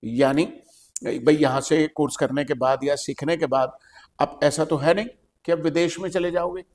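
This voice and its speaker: A man with an Indian accent teaches and hosts, talking a listener through questions with patient, repeated emphasis. His voice sits somewhat high, and a long reverb hangs behind it. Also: steady tone, normal speed, a little mellow. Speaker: English teacher and host. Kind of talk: explaining in a podcast interview.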